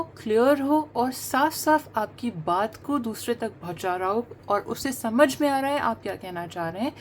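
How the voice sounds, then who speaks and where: A middle-aged woman, a native Hindi-Urdu speaker, delivers a talking-head monologue on language teaching, earnestly explaining accent and pronunciation. She pauses often, mixes in English phrases, and her voice is a little high, with slight hiss or hum in the recording.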